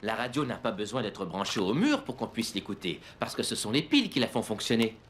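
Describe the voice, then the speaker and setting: A man voicing a cheerful, reassuring dad in a French children's cartoon, gently and patiently explaining things. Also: fairly low pitch, sing-song, fairly quick, slight background noise. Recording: music behind the voice.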